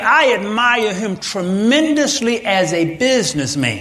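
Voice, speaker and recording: Noticeable background noise sits under a man with a high pitch. His tone is animated, with very wide pitch swings. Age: 60s. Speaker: pastor and businessman. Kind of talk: sermon-style talk to a youth audience. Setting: church hall with live audience.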